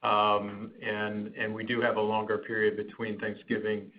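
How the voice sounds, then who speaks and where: A man speaking as a finance executive on an earnings call, setting out business expectations in careful, halting phrases. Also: lowish voice, monotone. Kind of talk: business outlook commentary, partly prepared. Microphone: conference call line. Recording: noisy, muffled conference call.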